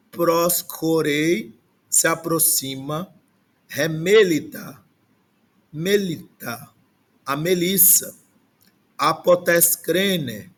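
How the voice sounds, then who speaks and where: Male language teacher, slightly higher voice, slow and patient delivery, glosses words one at a time. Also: a bit bright. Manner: slow, patient explaining with frequent "né?". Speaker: Greek teacher. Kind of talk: online language class.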